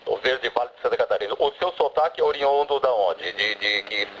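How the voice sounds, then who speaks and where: A male radio host asking questions in a hesitant, halting way. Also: medium pitch, lively intonation, a bit bright. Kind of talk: radio interview. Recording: muffled radio with faint noise.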